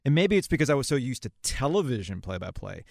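A man in his forties speaks as a podcast host in a conversational interview. His voice sits at a medium pitch and he tells stories as he leads into questions. The recording is dry, with hardly any room sound. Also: big pitch swings, fast, gravelly, no echo. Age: 40s.

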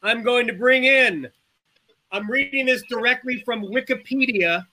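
A male sports show host with a high, very bright voice. He talks in a casual, chatty way, often pausing and feeling his way through a sentence. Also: poor audio.

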